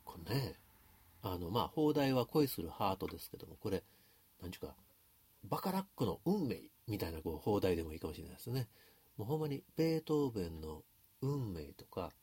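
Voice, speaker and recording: A man's voice: lowish voice, big pitch swings, fairly quick, a little mellow, slightly rough, dry recording. A man with a Kansai accent thinking aloud as he talks through a song's lyrics in a casual, explanatory way. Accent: Kansai Japanese. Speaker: music commentator. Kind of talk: casual talk analyzing song lyrics.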